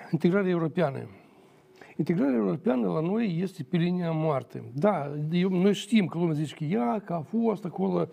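A man speaking as a guest on a studio political debate, measured and emphatic, repeating his points. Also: high-pitched, creaky, warm tone. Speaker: talk show guest, former judge.

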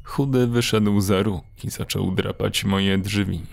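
A man narrating a horror story in a slow, grave, dramatic way. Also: on the low side, fairly even intonation, vocal fry.

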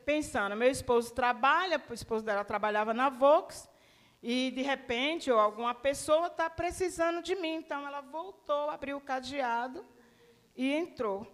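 A woman preacher giving a sermon testimony, telling her story in a lively way and acting out the dialogue. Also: sits high, moderate pace. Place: church hall. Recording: long church reverb.

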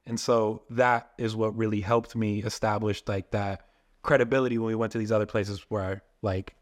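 With a lowish voice, a level tone and normal speed, this young filmmaker and photographer chats casually on a podcast. His long stories wander freely and are full of "like."

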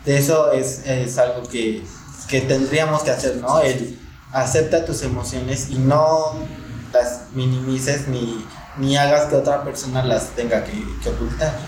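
A man hosts a podcast in a calm, reflective way and readily agrees with his co-host. His voice is mid-pitched. The room sounds echoey, with a faint noise underneath. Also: unhurried. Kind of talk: casual podcast chat.

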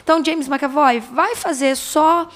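A woman in a casual film review chat, talking in an animated way, correcting herself and laughing often. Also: sits high, unhurried.

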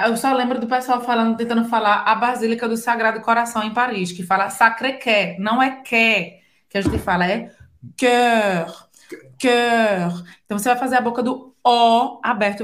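A woman with a Brazilian Portuguese accent and a fairly high voice, co-hosting a relaxed podcast lesson. She explains pronunciation slowly and repeats words for the listener. Her voice carries a noticeable room echo. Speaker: French teacher co-host. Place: living in France. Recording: roomy echo.

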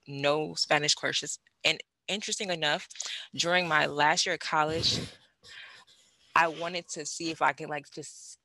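Young woman, casual guest chat; bright, slightly gravelly, animated with fillers and laughter, dry close sound. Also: sits low, measured pace, no echo, low-quality recording. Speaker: guest language learner. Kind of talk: casual conversation.

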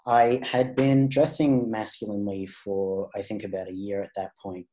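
A man's voice: lowish voice, level tone, moderate pace, warm tone, slight background noise. A man sharing his personal story as a podcast guest, speaking thoughtfully with frequent restarts and fillers. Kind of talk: candid personal interview.

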